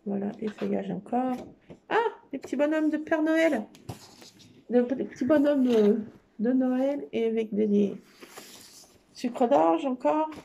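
A scrapbooker casually shows her craft paper with enthusiasm, many fillers and repeated cries of "trop beau." Her voice is high, gravelly and dark, at a measured pace with long pauses. The audio is dull, with a little hiss or hum.

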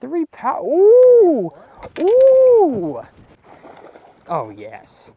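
A young man talks through a day of bass fishing from an open boat, his voice swinging widely up and down as he cheers and jokes. The sound is dry, caught outdoors by a camera on the deck. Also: extremely slow, dry recording, dull audio. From Texas. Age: young adult. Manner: excitable, jokey, exclaims at catches. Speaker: fishing video host. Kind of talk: casual fishing vlog commentary.

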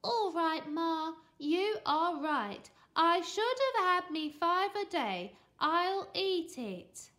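Woman voicing a bratty, whiny, high-pitched little boy. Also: very animated, measured pace, hardly any pauses, bright, forceful tone, exaggerated voice. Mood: sly. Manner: whiny, slangy, demanding. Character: bratty, greedy, demanding young boy with sly temper. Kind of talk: children's storybook character voice.

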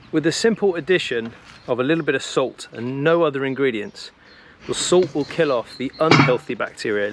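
Speaking at medium pitch with a somewhat bright quality, a man in his thirties from England teaches hands-on bushcraft skills in a cheerful, practical way. He records on an action camera in the woods and a cabin, and there's a bit of background noise.

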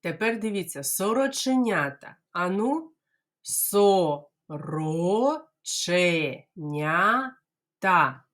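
A Ukrainian woman teaching small children to say words clearly, modelling them slowly syllable by syllable and imitating bird calls. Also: medium pitch, sing-song. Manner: slow, exaggerated syllable-by-syllable modelling; playful bird-call imitations. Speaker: kindergarten teacher. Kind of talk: speech lesson for small children.

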